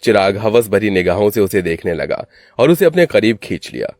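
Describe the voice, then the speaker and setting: A man narrating a dramatic cartoon story in a steady voice. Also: lowish voice, moderate pace, no echo, faint music behind.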